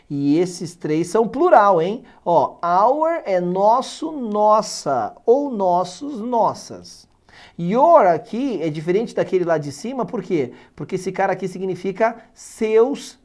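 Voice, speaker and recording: A high-pitched man with a Brazilian Portuguese accent teaches English grammar in an exam-prep video lesson. He is animated and emphatic, checking in with his students every few words.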